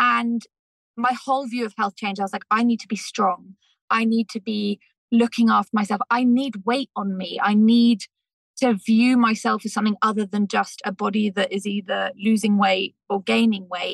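Speaking at a moderate pace in a British accent, a woman has a fairly high pitch, monotone, flat intonation, a somewhat breathy quality and a dry, close sound with no echo. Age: 30s.

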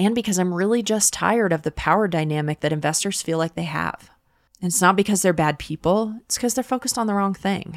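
The recording is very clean, with a silent background. A woman speaks at a medium pitch and a fairly quick pace. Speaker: startup founder and podcast host. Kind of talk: solo monologue podcast. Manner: loud, brash ranting.

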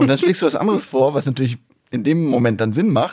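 A man has a normal speaking voice, fairly high in pitch. He moves at a fairly quick pace with lively intonation. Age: 30s. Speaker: podcast co-host. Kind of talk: casual chat.

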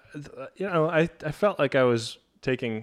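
Over a quiet background, a man talks at a fairly quick pace in an unremarkable speaking voice with ordinary pitch variation. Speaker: podcast host. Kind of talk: casual chat.

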